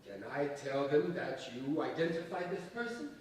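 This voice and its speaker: A man in a staged reading playing a domineering, menacing secularist strongman, emphatic and theatrical, with deliberate pauses. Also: a little high, sing-song, darkish tone, far from the mic. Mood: forceful, scornful. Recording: echoey stage from afar, faint noise.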